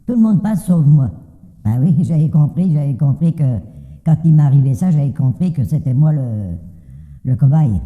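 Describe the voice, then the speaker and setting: A man's voice: fairly high pitch, lively intonation, normal speed. An older man giving a casual personal testimony in a colloquial, plain-spoken way, often repeating words hesitantly. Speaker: interviewee giving an anonymous testimony. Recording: very muffled, reverberant hall-like sound.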